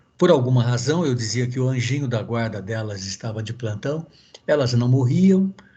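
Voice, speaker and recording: Somewhat breathy, a man speaks at a moderate pace with a dark, mellow tone at medium pitch. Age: 60s. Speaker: psychiatrist. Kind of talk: lecture. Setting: video call.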